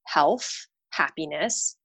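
A woman's voice: low-pitched, very slow, creaky, slightly rough. A woman from Romania, a guest on a podcast, talking candidly and with animation about her work and life. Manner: candid and animated, laughs at herself. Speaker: podcast guest, dental hygienist. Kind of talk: casual podcast interview chat.

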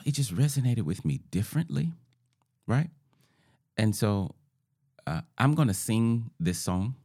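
A man's voice: rumbling low, warm tone. A man hosting a podcast in a groggy morning voice, rambling informally to his listeners in a casual monologue. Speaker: podcast host.

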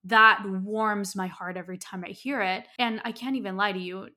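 Woman in her 30s from miami ranting on her podcast, frank and laughy, mid pitched voice. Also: steady tone, normal speed, pushed and bright. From United States (Miami). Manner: candid, ranting, laughs often. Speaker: podcast host. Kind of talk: casual monologue.

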